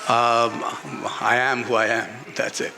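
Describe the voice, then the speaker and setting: A man with a Pakistani accent answering as an author in an unscripted stage interview, halting and repeating phrases for emphasis. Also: medium pitch, little pitch movement, gravelly, sharp tone, slight background noise. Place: literature festival stage before an audience. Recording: reverberant public-address sound at festival.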